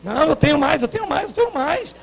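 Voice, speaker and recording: A male pastor with a Brazilian Portuguese accent, preaching a sermon, often shouting and breaking into playful asides. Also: extremely high pitch, big pitch swings, quick pace, vocal fry.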